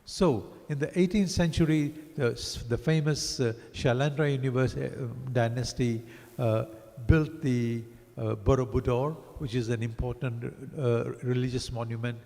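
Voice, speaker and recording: A man born in Africa reviewing a book as a lecture, halting with many fillers and restarts. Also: mid-range voice, fairly even intonation, vocal fry, a little mellow. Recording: long hall reverb.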